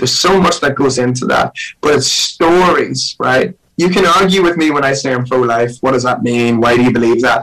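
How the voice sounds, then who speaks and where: Keeping his loudness very even, a man speaks in a medium pitch with an Irish accent. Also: ordinary pitch variation, moderate pace. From Ireland, County Monaghan. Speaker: musician. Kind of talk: casual chat.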